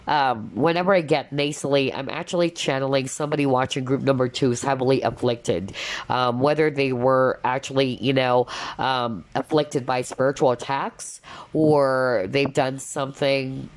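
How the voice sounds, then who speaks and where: A woman's voice: a bass voice, fairly even intonation, moderate pace. A woman reading tarot cards in a casual, spiritual style, often checking in with little tags like okay and all right. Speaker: tarot card reader, host.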